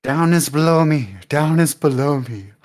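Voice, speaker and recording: A man voicing a calm male monk who leads a meditation in slow, soothing, chant-like repetition. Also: on the high side, voice pushed up, natural voice.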